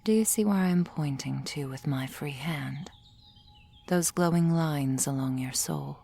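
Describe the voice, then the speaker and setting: A woman playing a gentle, reassuring soul healer in an ASMR roleplay, speaking in a soft, formal whisper. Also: sits low, unhurried, vocal fry, slightly rough, heavily acted. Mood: soothing whisper.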